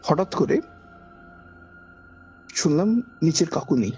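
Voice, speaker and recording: Recounting an eerie personal experience on a podcast, a man with a Kolkata Bengali accent and a husky, gravelly voice speaks slowly and very animatedly, his pitch on the high side and tone warm. He repeats phrases to heighten the drama in this conversational ghost story. Background music plays over dull lo-fi sound.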